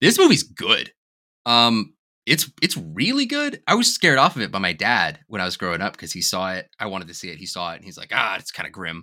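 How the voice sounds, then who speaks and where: A man at a fairly quick pace with big swings in loudness, on a very clean recording with a silent background. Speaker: podcast host. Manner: fast talker on mic.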